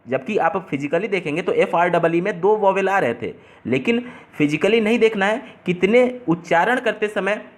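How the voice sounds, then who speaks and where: Guy going thru an exam paper, voice a bit high, breaks every term down slow. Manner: explains step by step, restating terms in simpler words. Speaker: exam tutor.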